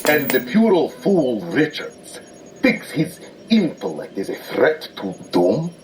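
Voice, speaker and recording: An actor playing a pompous, megalomaniac supervillain dictator who declaims imperiously in propaganda broadcasts within an audio drama. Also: male voice, medium pitch, huge pitch swings, a little slow, slight background noise. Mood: scornful.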